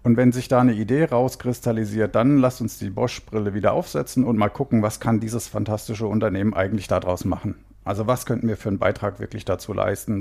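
Gravelly-voiced man from Hesse. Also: lowish voice, mellow. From Hesse, Germany. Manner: thoughtful, laughs easily. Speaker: guest, engineer. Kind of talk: conversational interview answers.

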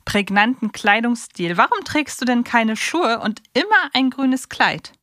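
A woman's voice: a little high, big pitch swings, unhurried, fairly bright tone, no echo, clean studio sound. A woman co-hosting a fan podcast, asking questions and commenting in a conversational way. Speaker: podcast co-host.

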